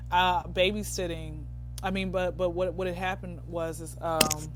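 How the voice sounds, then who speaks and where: A woman's voice: on the low side, level tone, measured pace, faint music behind. A woman in her thirties, a comedian guest on a podcast, talking loosely and rambling as she thinks aloud. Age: 30s. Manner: rambling, loses her train of thought. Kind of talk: casual podcast interview.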